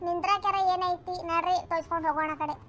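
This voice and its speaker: A woman voicing gossipy village women in a cartoon comedy, trading quick scolding banter in a North Karnataka accent. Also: very high-pitched, steady tone, fairly bright tone, a little hiss or hum. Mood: bickering. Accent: North Karnataka Kannada.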